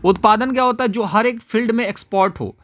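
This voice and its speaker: A man's voice: high voice, a bit bright. A man teaching an exam-prep lesson, who keeps repeating the key answers and tells his students to remember them. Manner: explains fast, repeats key answers and says "याद रखिएगा"; addresses students directly, quotes their comments. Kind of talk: exam paper analysis lesson.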